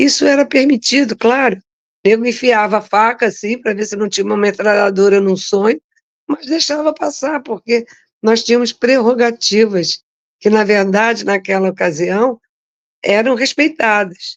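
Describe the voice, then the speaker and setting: A woman's plain, everyday voice, fairly high in pitch, with ordinary pitch variation, a moderate pace and a dry, close sound with no echo. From Brazil, Rio de Janeiro. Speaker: lawyer and human rights activist. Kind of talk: testimony.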